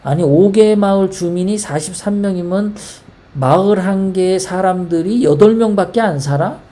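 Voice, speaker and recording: A woman's voice: mid-range voice, moderate pace, mellow. A woman from South Korea hosting a casual political monologue, talking in a heated, rambling way full of rhetorical questions. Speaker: political commentary host.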